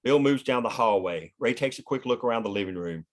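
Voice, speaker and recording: A man's voice: mid-range voice, animated, a little fast. A man reading scene headings and action lines as the narrator of a screenplay. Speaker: stage-direction reader.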